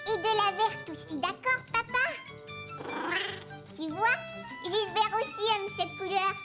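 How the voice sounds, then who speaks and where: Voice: extremely high pitch, measured pace, over loud music. A performer voicing a cheerful, curious four-year-old boy in a children's cartoon, with a small childlike voice and simple eager phrasing. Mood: happy. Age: child character. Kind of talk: French-language cartoon dialogue.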